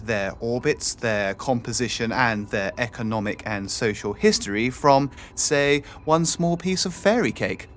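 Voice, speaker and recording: A man reading scripted documentary narration in a measured, deliberate storytelling manner. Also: fairly low pitch, fairly bright tone. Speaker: narrator, voice-over artist. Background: music bed.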